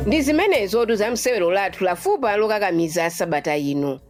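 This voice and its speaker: A woman with a Malawian accent presenting a radio drama programme in scripted announcements, deliberate when reading out lists and numbers. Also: medium pitch, lively intonation, over loud music.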